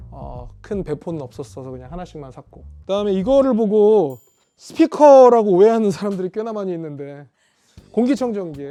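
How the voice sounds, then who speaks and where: At a fairly quick pace, a man with a high pitch and a dark, mellow tone speaks with very wide pitch swings and big swings in loudness. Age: 40s. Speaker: singer. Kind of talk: casual vlog tour of his studio. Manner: playful, relaxed.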